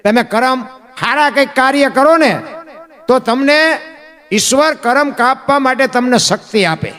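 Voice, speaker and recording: A man's voice: very high voice, unhurried, bright, forceful tone. A man from Gujarat, telling devotional folk stories in a rhythmic, repeating way. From Gujarat, India. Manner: rhythmic, repeats phrases for emphasis, addresses listeners as bapu. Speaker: folk storyteller.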